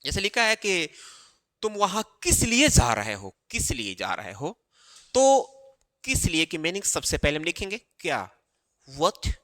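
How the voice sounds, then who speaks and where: Man teaching grammar in a lively, bright voice. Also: a little high, in a large hall. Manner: explains slowly, repeating phrases with many fillers. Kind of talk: Hindi-language grammar lesson while writing on a board.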